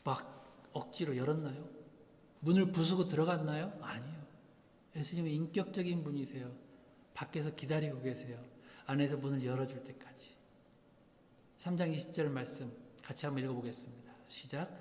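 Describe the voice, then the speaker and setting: A man's voice: fairly high pitch, normal speed, a little mellow, slight background noise. A male pastor preaching a sermon, asking the congregation rhetorical questions and acting out quoted lines. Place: church sanctuary. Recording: echoey hall with long reverb.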